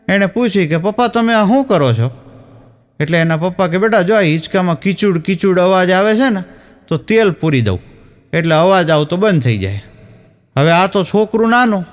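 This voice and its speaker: A man telling a string of jokes on stage, acting out the lines of each character as he goes. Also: sits high. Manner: storytelling, acting out dialogue. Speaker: stand-up comedian. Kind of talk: telling jokes to a live audience.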